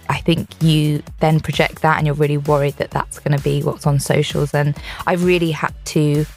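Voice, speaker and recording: A young woman singer from England talking candidly and chattily in a radio studio interview, laughing easily. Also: low voice. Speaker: singer guest.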